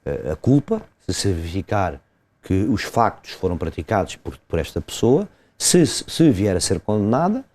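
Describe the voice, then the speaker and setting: A man, a lawyer explaining a legal case step by step in an interview, pausing and hesitating often. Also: low-pitched, big pitch swings, darkish tone. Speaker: lawyer commenting as guest.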